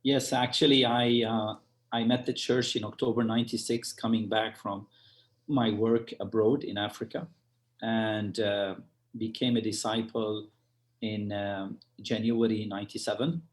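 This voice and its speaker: A man from Lebanon, a church leader, telling his story as an interview guest, halting with many fillers and restarts. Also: lowish voice, flat delivery. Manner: halting, full of fillers and restarts, chuckles while telling stories.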